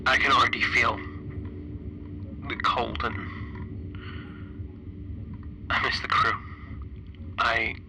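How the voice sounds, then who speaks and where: A man playing a stranded, grieving spaceship engineer recording a radio-like log for a horror tabletop game, halting and deliberate with long pauses. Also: medium pitch, flat delivery, vocal fry, noisy background. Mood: haunted, grieving. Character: stranded male spaceship flight engineer, weary, grieving lone survivor.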